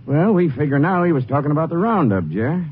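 An actor playing a folksy, easygoing Texas sheriff with a drawl in 1950s Western radio drama style. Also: male voice, fairly high pitch, sing-song, quick pace. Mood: businesslike. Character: folksy, easygoing male Texas county sheriff, loyal to his men. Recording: muffled, noisy 1950s radio recording.

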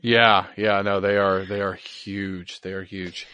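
A man's voice: low voice, little pitch movement, takes it slowly, sharp tone, smooth. A man co-hosting a podcast, explaining science in an informal, chatty way and often repeating himself. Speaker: podcast co-host. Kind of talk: casual science chat.

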